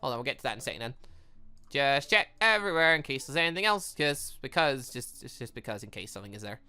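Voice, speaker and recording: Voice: medium pitch, very animated, fast talker, sharp tone, clear, resonant tone, soft background music. A gaming video host giving casual, chatty, jokey commentary while playing through a game and reading its dialogue aloud.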